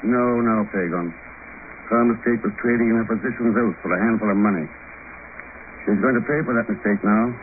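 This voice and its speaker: A man playing a steady, self-assured investigator hero in old-time radio drama, firm and unflustered. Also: on the low side, a little fast, lightly acted. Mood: grave. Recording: tinny, noisy old radio recording.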